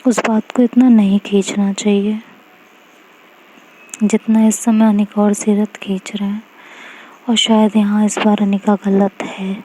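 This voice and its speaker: A woman's voice: medium pitch, level tone, unhurried, long pauses, mellow, slight background noise, natural voice, rough recording. A woman voicing an outspoken young woman who lectures and scolds her friends. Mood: lecturing. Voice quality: scolding, emphatic.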